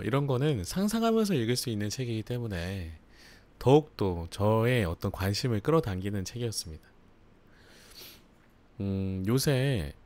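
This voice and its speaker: A man's voice: mid-range voice, darkish tone. A man hosting a live book review, chatting casually with frequent laughs and fillers. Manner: chatty, laughs often, filler-heavy asides. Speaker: book channel host.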